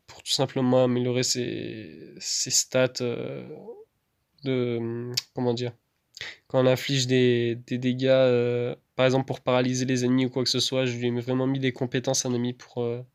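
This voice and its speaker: A man talking through a gameplay video in a relaxed, chatty way. His voice is smooth and clear, and his pitch stays fairly level. He keeps pausing on fillers and restarting his sentences. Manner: hesitant, full of fillers and restarts. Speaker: gaming YouTuber. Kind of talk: casual gameplay voice-over commentary.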